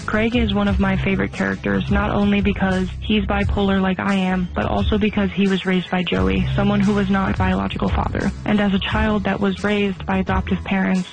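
A man's voice: high voice, monotone, fairly quick, gravelly, few pauses, low-quality recording. A man sincerely sharing a heartfelt personal voice memo as a fan. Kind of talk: personal testimony. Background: soft music.

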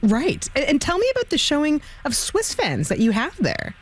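A woman's voice: sits high, wildly swooping pitch, moderate pace. A woman hosting a live radio interview. She is upbeat and chatty and laughs easily. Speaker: radio host.

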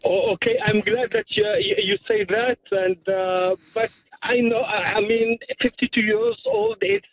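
High-voiced caller on a tinny phone. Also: male voice, sing-song, unhurried, vocal fry. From Tunisia. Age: 50s. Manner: hesitant, many fillers and restarts. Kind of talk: phone-in call to a radio show.

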